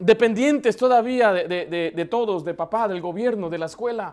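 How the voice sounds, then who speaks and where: The man speaks with a high pitch. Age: 30s. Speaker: pastor. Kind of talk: sermon. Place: church. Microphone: lapel.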